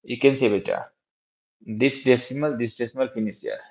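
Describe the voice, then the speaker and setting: A man with a South Asian accent teaching a live physics lesson in a halting, repetitive way, often checking with his students. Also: mid-range voice, steady tone. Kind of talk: live exam-prep lesson, working through problems. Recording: dull lo-fi recording.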